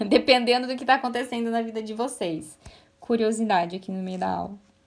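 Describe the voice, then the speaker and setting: An animated voice moves at a fairly quick pace with ordinary pitch variation and big swings in loudness. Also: woman, fairly high pitch for a woman. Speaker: human design teacher. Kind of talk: online class. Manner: fast.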